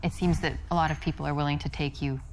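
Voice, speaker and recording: Girl acting reserved american woman on a date, low voice, short polite answers, music in back. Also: steady tone, quick pace. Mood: thoughtful. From United States. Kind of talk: conversational acted dating scene.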